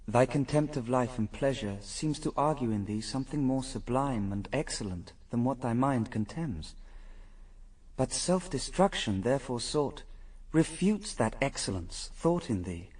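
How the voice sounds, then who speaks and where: An actor playing an anguished but reasoning husband, speaking formal verse gravely in a classical radio drama. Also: male voice, mid-range voice, a little mellow, recorded from a distance. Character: Adam, the first man, anguished yet reasoning husband.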